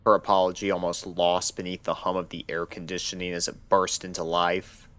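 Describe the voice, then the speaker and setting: A man's voice: sits low, flat delivery, fairly quick, fairly bright tone. A man reading fiction aloud as the narrator, in a scripted storytelling style.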